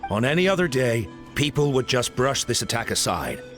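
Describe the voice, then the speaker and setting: An actor playing a worried, thoughtful tribal leader who speaks gravely and deliberately. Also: male voice, mid-range voice, sing-song, a bit bright, soft background music.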